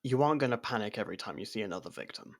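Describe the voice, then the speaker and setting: A man acting a guarded, blunt convict who helps with an investigation, in a conversational ASMR roleplay with hesitant pauses. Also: on the low side, lively intonation, gravelly. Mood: firm, frustrated. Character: jailed man helping an investigator, guarded, blunt, wryly supportive. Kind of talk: ASMR roleplay audio drama.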